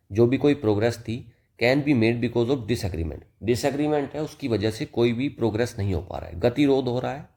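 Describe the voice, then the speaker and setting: A man giving a vocabulary lesson, explaining English words in a relaxed, chatty way and reading example sentences slowly. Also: medium pitch, creaky. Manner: mixes Hindi and English, addresses listener as "bhai". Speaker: vocabulary teacher.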